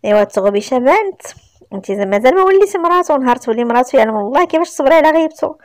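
A woman's voice: high-pitched, expressive, rapid-fire, dry recording, clean studio sound. A woman doing a fond older mother. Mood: coaxing. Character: warm older mother figure.

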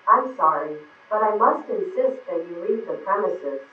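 A synthetic female voice speaking for a security robot dog in a too-smooth android manner, calm, polite and formal, heard through a tinny speaker from far off in an echoey space. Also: medium pitch, normal speed. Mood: firm polite. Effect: too-smooth android text-to-speech voice.

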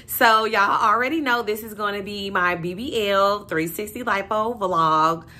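A young woman vlogging casually to camera, slangy and animated, calling her viewers y'all and sis. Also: mid-range voice, a little slow. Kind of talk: casual vlog chat to camera.

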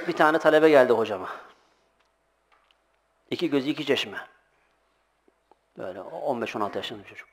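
A middle-aged man giving an informal sermon as a religious teacher, telling lively anecdotes, acting out voices and laughing often. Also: medium pitch, moderate pace, creaky, long pauses, a little hiss or hum.

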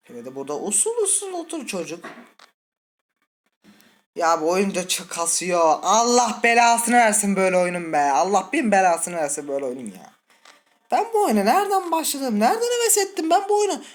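Brief: male let's-play host, nervous and twitchy, swings from high yelps to low mutters, curses at the game, keeps asking the viewers things. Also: big pitch swings, fairly quick, pauses often. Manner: jittery, scared, muttering and cursing at the game; talks directly to viewers. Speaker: gaming channel host.

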